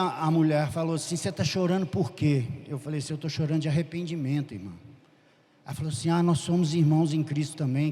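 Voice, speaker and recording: A man giving a testimony at a church meeting, telling his story with lively quoted dialogue and fervent feeling. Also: fairly high pitch. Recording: long hall reverb.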